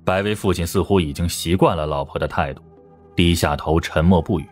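A man's voice: low voice, fairly quick, a little mellow, faint music behind. A man narrating a crime audiobook in a scripted, dramatic storytelling style.

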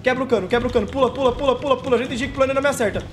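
A young man streams a horror game in a very high-pitched, very fast voice, with a little hiss or hum on the audio. Panicking, shaky, and sweating, he repeats himself and shrieks whenever he gets scared.

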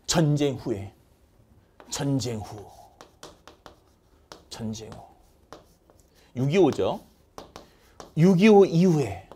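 A male English teacher lectures with a fairly high voice that leaps and drops all over the place. He chants word lists in rhythm and slips into playful skits to make the words stick. It sounds like a recorded lecture in a studio. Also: breathy edge. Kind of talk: lively lecture.

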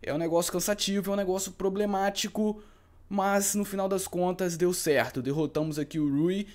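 A young man with a Brazilian Portuguese accent giving live gameplay commentary, excitable and frantic, repeating words. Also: high-pitched, normal speed. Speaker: gaming YouTuber.

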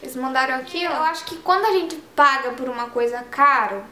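Young mother vlogger, chatty, high-pitched, noisy home recording. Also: brisk, sharp tone. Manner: chatty, coos and sings to her baby. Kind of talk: casual vlog to camera. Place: bedroom at home.

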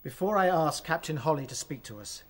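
A man playing a considerate, steady young rabbit leader in a radio drama. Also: on the high side, a little fast, over loud music, lightly acted. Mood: cheerful.

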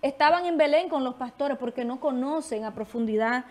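A woman in her thirties hosts a TV panel, searching for her words with frequent restarts, and her voice sits a bit high. She speaks into a desk microphone in a studio. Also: normal speed. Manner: searching, hesitant phrasing. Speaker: TV host. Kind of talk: TV panel discussion.

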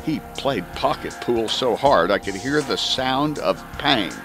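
A man's voice: medium pitch, lively intonation, measured pace, music in the background. A man reading a spy story audiobook in a theatrical, emphatic first-person narration. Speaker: audiobook reader.

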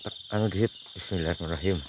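A man talks in a low voice while walking outdoors at night, nervously muttering prayers and calling out to his friends. Crickets and insects buzz clearly behind him. He sounds jumpy, like a casual vlogger hunting ghosts. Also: rapid-fire, background noise. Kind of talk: casual night exploration vlog. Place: outdoors at night in rough terrain.

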